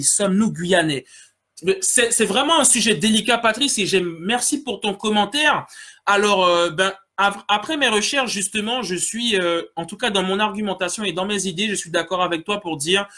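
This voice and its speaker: A man from French Guiana hosts a casual solo podcast in a high-pitched, pushed, bright voice at a moderate pace. He reads out listener comments and speaks earnestly and directly to his audience.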